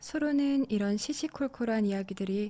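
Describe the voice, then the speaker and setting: Speaking very slowly, a woman with a medium pitch uses a dark, mellow and gentle tone with ordinary pitch variation. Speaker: audiobook reader. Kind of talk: sleep audiobook reading. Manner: slow, gentle.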